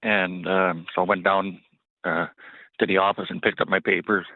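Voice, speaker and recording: Low-voiced man on a tinny phone line. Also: level tone, no echo. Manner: halting, emotional, full of restarts. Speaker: caller. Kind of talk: call-in storytelling. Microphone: telephone.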